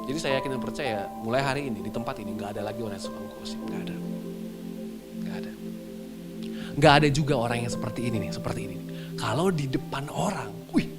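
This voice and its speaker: A young man, a pastor, preaching a sermon and telling a story to his congregation in a lively way. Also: medium pitch, quick pace, pauses often. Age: young adult. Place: church hall. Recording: with clear music behind.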